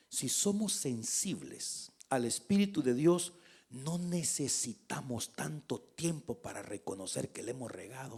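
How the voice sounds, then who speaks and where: Gravelly, animated preacher. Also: male voice, medium pitch. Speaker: pastor. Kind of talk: sermon.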